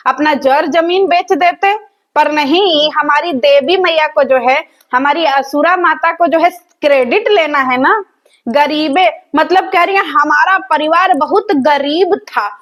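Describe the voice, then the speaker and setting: A woman's voice: sits high, slow, a bit bright. A woman, hosting a reaction video and roasting the people in it in a mocking, sarcastic, scolding way. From rural village in north India.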